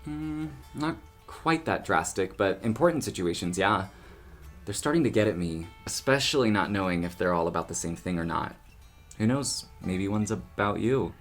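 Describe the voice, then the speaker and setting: A low voice, a friendly, loyal man in an audio drama. He chats casually and with animation, over faint music. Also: animated, normal speed. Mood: earnest.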